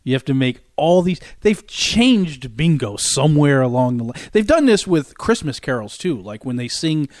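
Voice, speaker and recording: A middle-aged man telling a story in casual chat, loud and animated, laughing often as he goes. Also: fairly high pitch, normal speed, hardly any pauses, no room sound, clean studio sound.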